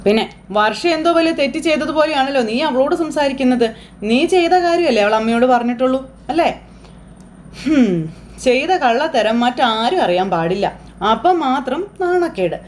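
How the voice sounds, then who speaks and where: A woman's voice: high voice, animated, normal speed, a little hiss or hum. A woman voicing a blunt, protective older sister from a TV serial. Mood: scolding.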